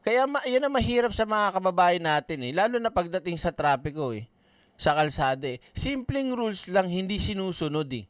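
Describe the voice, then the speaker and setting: A man's voice: high-pitched, animated, moderate pace, no room sound, clean studio sound. A man doing casual ranting commentary, blunt and swearing often, reading viewer comments aloud. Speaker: online commentator.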